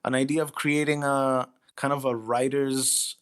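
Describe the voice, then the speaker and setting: Man chatting in mid-range voice, thoughtfully halting. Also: mid-range voice, little pitch movement, smooth. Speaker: writer being interviewed. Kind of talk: casual interview chat.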